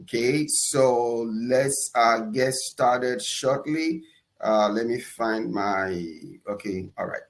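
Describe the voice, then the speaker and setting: A man with a Nigerian accent hosting a live webinar, energetic and enthusiastic, often pausing on "uh" and ending points with "okay?". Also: mid-range voice. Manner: energetic, enthusiastic shout-outs; fillers and repeated "okay?". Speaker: webinar host.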